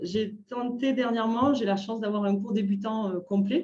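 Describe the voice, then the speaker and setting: A woman speaks in a slight southern French accent at a medium pitch, her tone dark, mellow and somewhat breathy. The room echo is audible. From southern France. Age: 40s. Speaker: French language teacher and trainer. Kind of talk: webinar lecture. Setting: online webinar.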